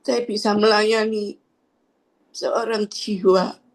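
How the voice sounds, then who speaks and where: A woman's voice: medium pitch, steady tone, takes it slowly, rough recording. A woman giving a personal faith testimony in church, speaking in hesitant, trailing phrases with frequent fillers.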